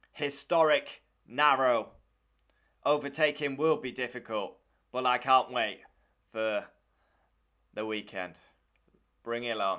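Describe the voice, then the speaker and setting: At a fairly slow pace, a man speaks in a medium-pitched, bright and sharp tone with ordinary pitch variation and long, frequent pauses, in a very clean recording with a silent background. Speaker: F1 YouTuber. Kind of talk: video commentary. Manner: animated.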